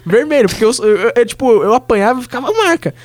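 Lively, laughing male storyteller. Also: very high voice, quick pace, no room sound, clean studio sound. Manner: animated storyteller, acts out voices, laughs often. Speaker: podcast co-host, storyteller. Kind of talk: casual chat.

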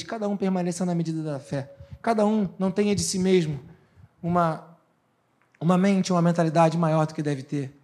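Male pastor, high voice, sermon delivery, dramatic loud-soft contrasts. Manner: dramatic swings between loud preaching and hushed asides.

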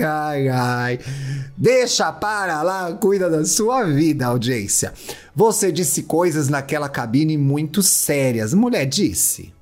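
A woman host, reading listener letters aloud and mocking them in bawdy comic chat. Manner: mocking, bawdy, laughs a lot; swings to shrieks and low asides.

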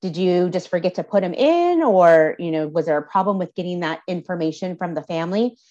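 A woman's voice: on the low side, lively intonation, a little fast, dark tone, muffled recording. A woman, a social services supervisor, answering interview questions in a candid, thoughtful, conversational way. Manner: thoughtful, candid, lightly laughing between points.

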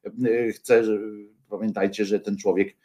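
A man hosting a radio show, talking in a halting, reflective way with many filler sounds between songs. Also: fairly low pitch, little pitch movement, dark tone. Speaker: radio host.

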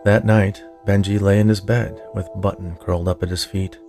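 A man with a low, gravelly voice narrates fiction as a podcast storyteller. His delivery is scripted audiobook reading, with faint music underneath. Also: level tone, normal speed, a little mellow.

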